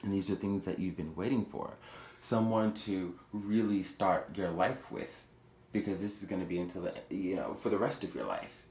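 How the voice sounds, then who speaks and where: A man giving a chatty tarot reading, with playful asides and quick self-corrections. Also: low-pitched, darkish tone. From Houston, Texas. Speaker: tarot reader. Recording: echoey room with faint noise.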